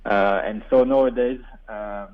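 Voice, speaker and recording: A man's voice: fairly low pitch, steady tone, unhurried. A man in his forties with a French-speaking Belgian accent, born in Burundi and a native French speaker, chatting as a radio guest and often repeating words while he searches for them. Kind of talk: radio interview. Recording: phone line.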